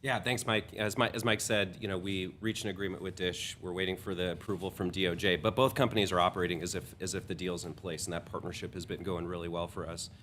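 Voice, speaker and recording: A man's voice: low-pitched, steady tone, quick pace, few pauses, a bit bright, slight background noise. A man speaking as a company executive, giving an explanatory update on an earnings call.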